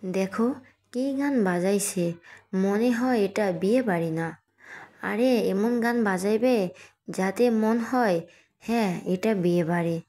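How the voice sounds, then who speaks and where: A woman's voice: medium pitch, unhurried, pauses often, mellow, lightly acted. A woman voicing a feisty, mischievous young bride who is stubborn and cheeky, in an audio story reading. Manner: sulky and cheeky.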